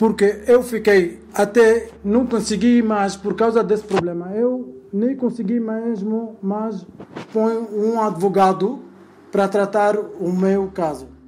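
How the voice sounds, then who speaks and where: Over noticeable background noise, a man with a high pitch speaks at a very slow pace and fairly even intonation. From Lebanon. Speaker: businessman. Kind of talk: testimony. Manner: halting.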